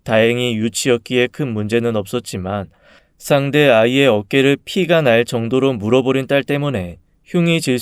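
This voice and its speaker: Smooth-voiced male story narrator. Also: medium pitch, no echo, clean studio sound. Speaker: story reader. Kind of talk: first-person story narration.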